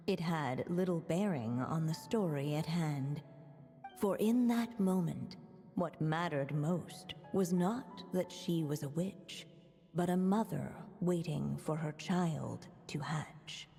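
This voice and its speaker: A woman voicing a poised, mysterious storybook narrator in a video game, with a measured, hushed delivery. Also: on the low side, expressive, faint music behind. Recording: long reverb.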